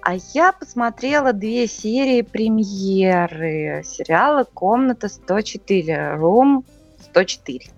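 A woman on a podcast recaps TV episodes in a loose, conversational way. Her pitch rises and falls a lot as she explains each plot point. The sound is a little dull, with faint music underneath. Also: takes it slowly. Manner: lively, explains plots step by step. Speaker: podcast co-host. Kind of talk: casual TV review chat.

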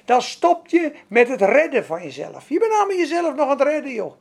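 A man preaching a sermon, animated, swinging between loud exhortation and soft prayer-like passages. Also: extremely high pitch, brisk, vocal fry. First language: Dutch.

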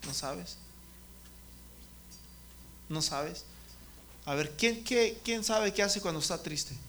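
Bright high-voiced man preaching to children. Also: animated, takes it slowly. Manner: engaging, asks the children questions by name. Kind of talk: children's sermon.

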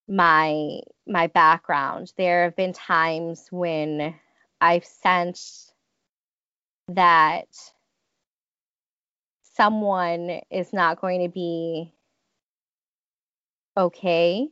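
A woman's voice: on the low side, sharp tone, no echo, dull audio. A woman in her thirties from the United States, telling personal stories in an interview in a thoughtful, hesitant way with many restarts. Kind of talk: reflective personal storytelling.

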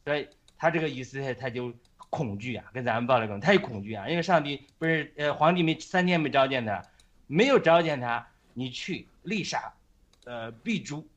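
A man casually retelling a Bible story on a Christian chat, halting often with fillers and restarts. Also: mid-range voice, expressive, fairly bright tone. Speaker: Christian speaker on a faith chat.

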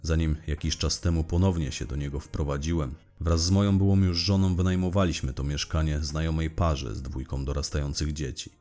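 A man playing a very deep-voiced weary investigator. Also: steady tone, brisk, few pauses, dark tone. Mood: resigned, bitter. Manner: formal, wordy, bitter confession. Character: weary, irritable divorced male investigator talking to his psychologist. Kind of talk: scripted audio drama monologue.

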